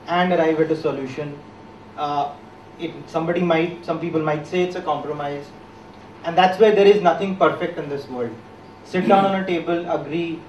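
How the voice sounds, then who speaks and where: A man explaining his thinking in a group discussion, in a measured, reflective way. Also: a little high, darkish tone, slight background noise. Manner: measured, explanatory, slows on key points. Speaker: discussion participant. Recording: echoey room, distant mic, faint background.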